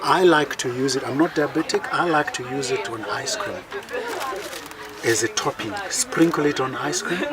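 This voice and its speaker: A man gives an outdoor product demonstration, steadily listing nutrients and uses. He is picked up from a distance, and a crowd murmurs all around. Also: medium pitch. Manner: explanatory, lists nutrients. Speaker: exhibitor presenting food products.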